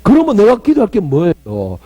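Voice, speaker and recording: A man's voice: high-pitched, huge pitch swings, moderate pace, slightly rough, highs cut off. A male pastor preaching a sermon, emphatic and often quizzing his congregation. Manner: emphatic, questioning the congregation, swinging between loud and hushed.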